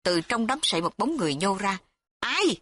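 Female storyteller, even scripted narration, mid pitch, dry room. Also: fast, dry recording.

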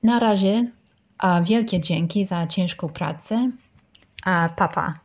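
A woman in her thirties from the United Kingdom, a native English speaker with a British English accent in her Polish, speaking haltingly in an informal self-introduction. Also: lowish voice. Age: 30s. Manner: halting, hesitant learner's delivery. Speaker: listener sending a voice message.

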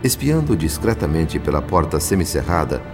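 A man with a Brazilian accent narrating a radio drama in a solemn, dramatic, grave and expressive style. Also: extremely low pitch, moderate pace. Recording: long reverb with faint music underneath. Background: faint music.

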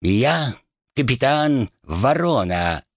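A man's voice: medium pitch, big pitch swings, very slow, no echo, clean studio sound, voice pushed up, heavily acted. A man doing a drawling aristocratic captain. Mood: haughty. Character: aristocratic haughty female pirate captain.

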